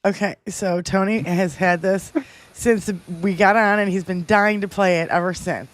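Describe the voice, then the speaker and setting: A woman's voice: medium pitch, fairly even intonation, moderate pace, dry recording. A woman co-hosting a livestream with casual political chat, sarcastic and sweary. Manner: sarcastic, sweary, laughs easily. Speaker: livestream co-host.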